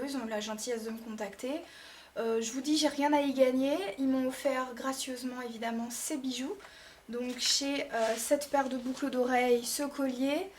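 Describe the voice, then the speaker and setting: A woman's voice: high-pitched, a little hiss or hum. A woman beauty vlogger giving a casual product review to the camera. She chats directly to her viewers and lists items one by one.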